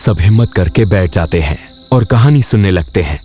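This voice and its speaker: A man with a fairly low voice narrates a scripted children's ghost story. He speaks as a storyteller, with music playing behind him. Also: expressive, normal speed, mellow.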